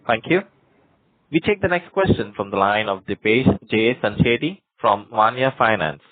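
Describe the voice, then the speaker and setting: A man's voice: on the low side, animated, moderate pace. A man moderating a conference call in a formal, scripted way over a phone line.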